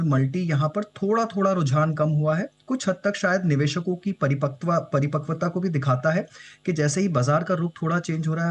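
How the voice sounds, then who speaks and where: A man speaking as a financial advisor guest on a business news show, giving measured analysis and mixing English phrases into his Hindi. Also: fairly high pitch.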